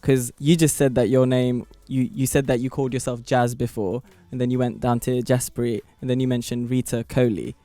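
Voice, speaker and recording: A man's voice: medium pitch, level tone, a little fast, few pauses, warm tone. A British man on a radio panel, joking and provocative, thinking aloud with ums. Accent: British English. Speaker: studio panel guest. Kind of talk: debate discussion.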